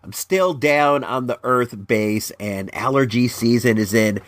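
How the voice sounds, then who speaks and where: A man's voice: medium pitch, unhurried, dry recording. A man hosting his own podcast in casual rambling chat, his voice stuffed up from allergies. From Northern California. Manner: rambling, lots of restarts, animated ups and downs. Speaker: podcast host.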